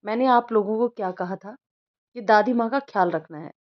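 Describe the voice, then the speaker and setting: A woman's voice: medium pitch, brisk, lo-fi sound, lightly acted. A woman voicing a short-tempered rich young man who scolds his servants but cares for his grandmother, in a storybook reading. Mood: angry. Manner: sharp, commanding, scolding.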